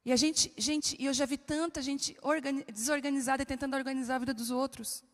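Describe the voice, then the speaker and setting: Woman pastor, lively humorous sermon, high voice, long reverb of a church hall. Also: fast talker. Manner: lively, humorous, speaks directly to the audience.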